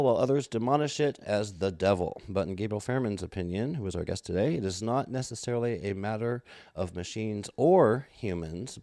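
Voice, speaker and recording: A man's voice: lowish voice, a little mellow. A man hosting a live streamed industry talk show, upbeat as he runs through plugs and introduces his guest over a video call. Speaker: host.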